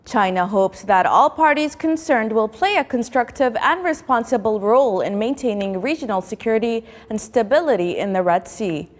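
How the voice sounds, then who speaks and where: A woman's voice: a little high, lively intonation, normal speed, few pauses, long reverb tail. A woman news presenter reading a formal, scripted news bulletin.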